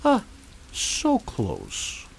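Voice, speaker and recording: An actor playing a genial, unflappable older scientist in a comic radio drama, with breezy, politely teasing manners. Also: male voice, sits high, wildly swooping pitch, extremely slow, gravelly, a little hiss or hum, full character voice. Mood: amused, breezy.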